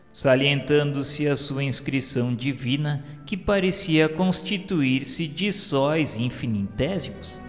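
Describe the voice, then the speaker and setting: A man with a Brazilian accent narrating a radio novela in a solemn, reverent, formal literary style. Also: mid-range voice. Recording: long reverb with music bed.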